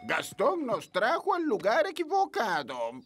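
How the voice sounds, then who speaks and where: A fussy, learned old elf for a children's cartoon. He speaks slowly and pompously in a Latin American Spanish accent. His pitch leaps up and down dramatically, with music behind him. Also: huge pitch swings, heavily acted. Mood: puzzled, exasperated.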